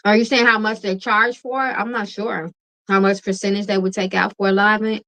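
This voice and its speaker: Bright-voiced woman chatting on a livestream. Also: mid-range voice, a little fast. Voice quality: calming voice. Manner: relaxed, chatty, laughs often, addresses viewers as y'all. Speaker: tarot reader and livestream host. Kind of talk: casual livestream chat with viewers.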